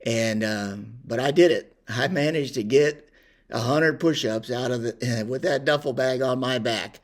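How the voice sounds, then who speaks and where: An older man telling a personal story in a rambling, unhurried way with many pauses and fillers. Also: medium pitch. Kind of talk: casual spoken reminiscence.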